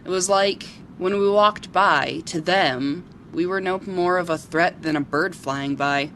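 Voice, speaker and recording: A woman playing a sincere local TV reporter in an amateur audio drama, telling her story in a measured way. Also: fairly low pitch, fairly bright tone, slight background noise. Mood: nostalgic. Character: sincere female local TV reporter who loves wild creatures.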